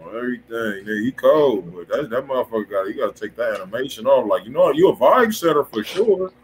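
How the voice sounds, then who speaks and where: A man's voice: medium pitch, lively intonation, quick pace. A man hosting a music review stream, talking in casual, slang-heavy, blunt and profane chat. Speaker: music review show host. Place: indoor room, livestream. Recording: faint background noise.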